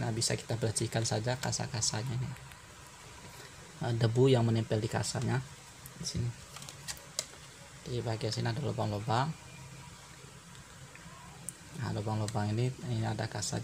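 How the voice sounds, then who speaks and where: A man giving an informal hands-on repair tutorial, explaining step by step in a halting way with pauses. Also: medium pitch, creaky, background noise. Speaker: phone repair tutorial presenter.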